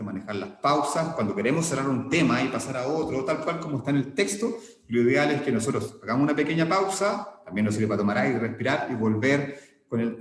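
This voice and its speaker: A man teaching an online class, explaining step by step with frequent check-ins and small restarts. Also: mid-range voice. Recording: echoey room with long reverb.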